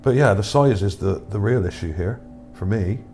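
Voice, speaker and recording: A man's voice: fairly low pitch, lively intonation, moderate pace, darkish tone, faint music behind. A man giving casual, unscripted commentary on images for his video, musing and hesitant as he goes. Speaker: video narrator presenting own image finds. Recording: background noise under the voice.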